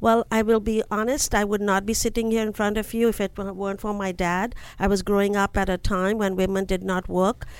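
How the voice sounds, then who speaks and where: A woman with an Indian accent talks at a fairly quick pace in a medium pitch, her intonation monotone and flat, with hardly any pauses. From India, New Delhi. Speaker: tech company founder and CEO. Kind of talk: interview.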